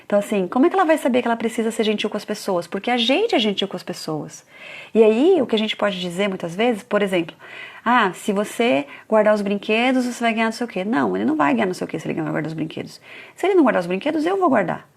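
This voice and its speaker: A woman's voice: mid-range voice, big pitch swings, very fast, vocal fry, a little mellow, husky. A woman in her thirties giving a live talk on parenting, telling stories about her children and acting out what was said. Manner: storytelling, acting out family dialogue. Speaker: parenting educator.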